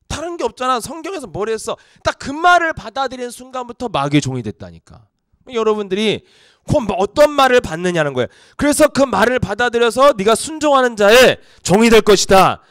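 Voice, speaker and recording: Lively pastor preaching to youth. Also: male voice, sits high, dry recording, clean studio sound. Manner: lively, acts out quoted voices. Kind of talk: youth sermon.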